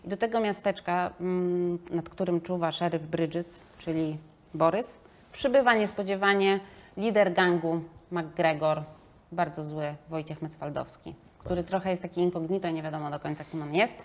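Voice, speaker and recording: A woman's voice: on the low side, fairly even intonation, normal speed, darkish tone. A woman in her thirties asking questions in a casual, conversational interview. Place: large brick-walled loft room, indoors.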